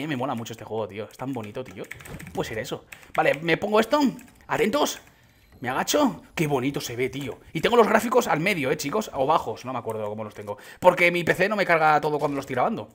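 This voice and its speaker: A young man from Spain with a Spanish accent, giving excited gameplay commentary with frequent exclamations. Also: breathy edge. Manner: excitable, exclaiming, quick shifts in pitch. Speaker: gaming YouTuber.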